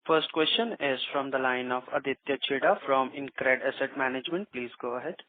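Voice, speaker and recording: A man's voice: mid-range voice, fairly quick. Male call moderator over a phone line. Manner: formal, polite. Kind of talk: scripted call announcements.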